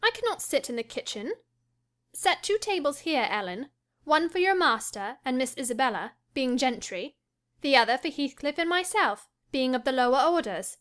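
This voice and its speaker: A woman's voice: sits high, animated, normal speed, hardly any pauses, a bit bright, pitched above the performer's own voice. A woman reading an audiobook, voicing an impulsive, passionate young lady who talks breathlessly and eagerly. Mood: insistent. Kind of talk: audiobook character voice.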